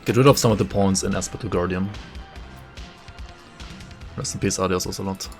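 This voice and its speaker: A man gives loose, rambling commentary on his gameplay, full of "like" fillers. Soft game music plays faintly underneath him. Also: sits low, fairly even intonation, brisk. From Germany. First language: German. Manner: casual, thinking aloud, many "like" fillers. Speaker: game streamer. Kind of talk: live gameplay commentary, reading chat.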